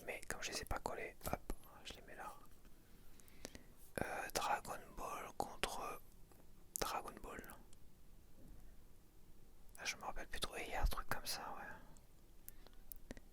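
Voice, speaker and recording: A man whispering softly into a close mic for ASMR, murmuring sticker numbers and rambling along. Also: takes it slowly, long pauses. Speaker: ASMR creator.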